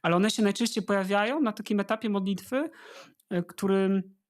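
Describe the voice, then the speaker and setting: A man's voice: high voice, a little fast. A man giving informal spiritual advice as a guest, earnestly urging listeners and addressing them directly. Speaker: interview guest, religious brother.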